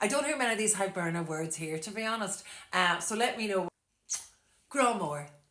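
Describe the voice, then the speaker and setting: A woman with an Irish accent, medium pitch, lively intonation and a fairly quick pace broken by long, frequent pauses. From Ireland. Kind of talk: casual talk to camera. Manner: fast.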